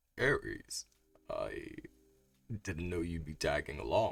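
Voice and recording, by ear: A man puts on a raspy character voice and talks fairly slowly.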